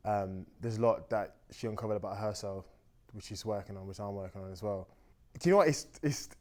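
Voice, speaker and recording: A man's voice: on the low side, brisk, a little mellow. A young man from Austria, a native German speaker, chatting on a date in a talkative, reflective, rambling way. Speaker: dating show guest. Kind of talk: casual dating conversation.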